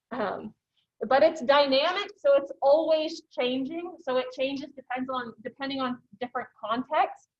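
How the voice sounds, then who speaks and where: A high-pitched woman in her thirties teaching a college class in a loose, chatty way, filling her sentences with "you know" and "um". The recording sounds dull and lo-fi. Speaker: college instructor. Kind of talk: casual classroom lecture.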